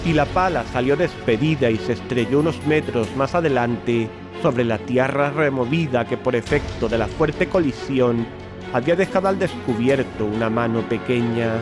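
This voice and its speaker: A man's voice: mid-range voice, moderate pace. A man reading scripted, dramatic horror narration as the narrator of an audio drama. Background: loud music.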